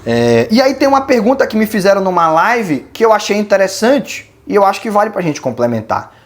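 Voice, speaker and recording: A Brazilian-accented host talks through viewer questions in a relaxed, colloquial way. The delivery is opinionated, and the host reasons aloud as the argument builds, like an informal chat with the audience. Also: medium pitch, fairly quick. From Belém do Pará, Brazil. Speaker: channel host. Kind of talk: casual commentary answering viewer questions.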